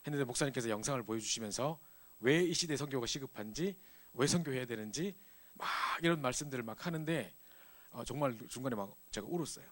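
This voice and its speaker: A middle-aged man preaching to a church youth group, telling a personal story in a lively, animated way. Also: medium pitch, quick pace. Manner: animated storytelling, acts out scenes. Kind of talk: sermon with personal testimony.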